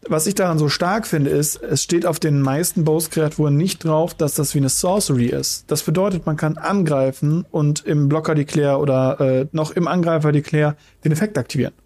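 A man's voice: on the high side, moderate pace, hardly any pauses, a little mellow. A man co-hosting a casual podcast, explaining card game rules in detail with dry ironic asides. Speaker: podcast co-host. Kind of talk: casual podcast chat about card games.

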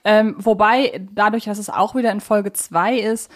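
A woman with a German accent co-hosting a casual fan discussion, often pausing to search for her words. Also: mid-range voice, fairly even intonation. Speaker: podcast co-host.

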